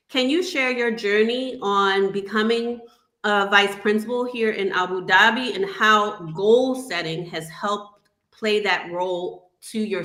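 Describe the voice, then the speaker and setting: A woman's voice: mid-range voice, sharp tone, reverberant. A woman hosting an interview show, chatty and enthusiastic as she welcomes and questions her guest. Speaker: podcast host.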